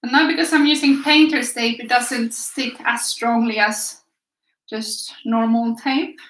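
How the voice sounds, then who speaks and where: Her voice sits on the high side, steady, unhurried and fairly bright as she guides viewers through a live painting lesson. The Swedish art teacher, in her thirties, stays chatty and encouraging at her easel in a small, echoey room, sometimes turning away from a camera placed a few feet off.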